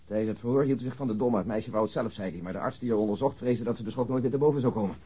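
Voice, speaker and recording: A man's voice: medium pitch, rapid-fire, warm tone, husky, natural voice. An actor in a radio drama playing a precise, matter-of-fact male policeman reporting details. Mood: factual, brisk.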